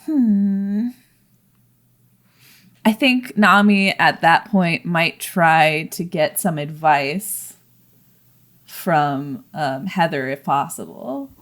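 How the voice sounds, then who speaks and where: Soft-spoken young woman playing a tabletop game. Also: lowish voice, very slow, pauses often. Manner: soft, hesitant with ums, trails off. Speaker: player.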